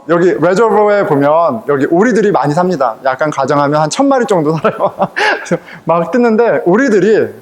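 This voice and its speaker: A male pastor with a high, lively voice that swings up and down as he preaches. He tells his stories in a chatty, joking way, laughs along with them, and keeps turning to the congregation with questions. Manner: conversational, humorous, laughs while telling stories. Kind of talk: sermon with personal anecdotes.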